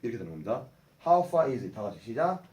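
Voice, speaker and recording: A middle-aged man teaches English phrases to a class, drilling them and having the group repeat, over a loud crowd. His medium-pitched voice is very animated and a little fast, captured with roomy echo from a distant mic.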